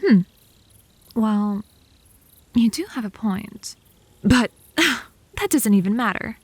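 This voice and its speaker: A woman's voice: on the high side, expressive, slow, slightly rough, dry recording, full character voice. A woman playing an indignant, lovesick young female vampire, haughty but easily flustered, in a comedic ASMR roleplay. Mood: defiant.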